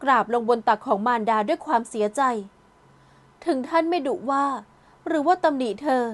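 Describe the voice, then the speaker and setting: A woman narrating an audio novel in a calm, gentle storytelling voice. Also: high-pitched, normal speed. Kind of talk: scripted narration.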